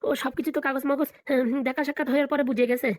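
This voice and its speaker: A woman's voice: high-pitched, little pitch movement, rapid-fire, natural voice. A woman voicing a deferential, flustered police officer in a comedy cartoon, hesitant and placating. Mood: puzzled.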